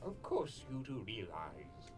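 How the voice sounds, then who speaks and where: A woman's voice: very deep voice, wildly swooping pitch, slow, over loud music, exaggerated voice. A woman voicing a sly, teasing male trickster of chaos in a cartoon, sardonic and theatrical. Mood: mock outrage. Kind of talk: dramatized cartoon parody dialogue.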